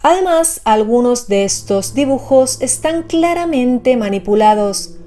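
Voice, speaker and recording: Mellow woman narrating scripted horror explainer. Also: on the high side, lively intonation, unhurried. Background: background music.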